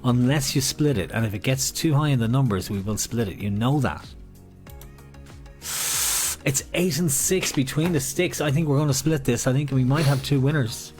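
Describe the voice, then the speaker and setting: A man's voice: medium pitch, a little fast, few pauses, darkish tone, faint music behind. An Irish man hosting as a bingo caller, mixing playful sing-song number calls with casual chat. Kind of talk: bingo calling mixed with casual banter.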